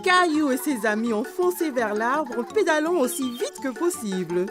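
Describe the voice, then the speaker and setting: Lively woman narrating a cartoon. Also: sits high, normal speed. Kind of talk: scripted storybook narration. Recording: music bed under voice.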